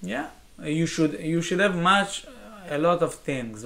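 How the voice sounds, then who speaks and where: A man with an Israeli accent, fairly high pitch and a fairly slow pace. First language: Hebrew. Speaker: stand-up comedian. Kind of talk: casual chat. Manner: halting.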